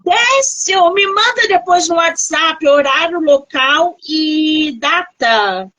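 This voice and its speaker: A woman's voice: very high voice, expressive, slow, sharp tone, dry recording, poor audio. A woman from Rio de Janeiro hosting a casual live interview over a video call, effusive and full of exclamations. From Rio de Janeiro, Brazil. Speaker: host.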